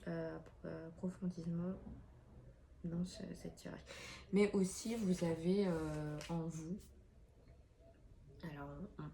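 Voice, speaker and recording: A woman's voice: on the low side, warm tone. Chatty woman reading tarot cards. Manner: chatty, many fillers and restarts. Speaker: tarot card reader. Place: room with an open window. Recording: faint street noise through window.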